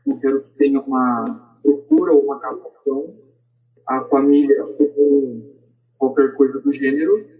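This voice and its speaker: A man's voice: mid-range voice, fairly even intonation, measured pace, warm tone. A Brazilian man making his points in a podcast discussion, recorded on a dull, distant lo-fi microphone. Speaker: podcast speaker.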